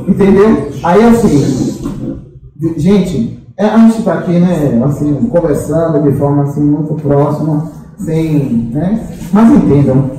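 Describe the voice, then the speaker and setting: High-pitched man in echoey hall. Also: dark tone, far from the mic. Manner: chatty and teasing, many fillers and tag questions. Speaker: spiritual guide addressing a group. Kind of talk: informal spiritual talk to a meeting. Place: large echoey meeting hall. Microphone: distant room microphone.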